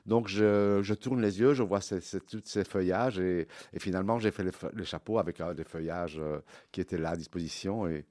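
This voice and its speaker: Deep-voiced man, animated interview guest. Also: moderate pace, hardly any pauses. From Belgium. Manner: animated, repeats words when searching. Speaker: milliner guest. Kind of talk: interview answers.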